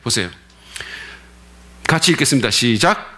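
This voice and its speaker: A man's voice: medium pitch, lively intonation, moderate pace, background noise. A male pastor preaching a Sunday sermon in a conversational way, often putting questions to the congregation.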